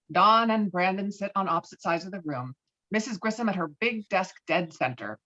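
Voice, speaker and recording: A woman's voice: lowish voice, fairly bright tone. A woman reading scripted stage directions and scene headings for a table read over a video call. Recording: dull, lo-fi online call audio.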